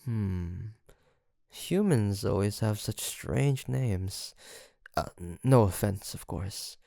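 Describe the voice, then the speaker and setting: Male actor as seductive male demon, gravelly, very dry close recording, theatrical, flirtatious, smug, intimate audio roleplay. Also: lowish voice, animated, slow, dark tone, no room sound, heavily acted. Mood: teasing, amused. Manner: theatrical, drawling, flirtatious, with pet names. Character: seductive, teasing male incubus demon, smug and sweet-talking.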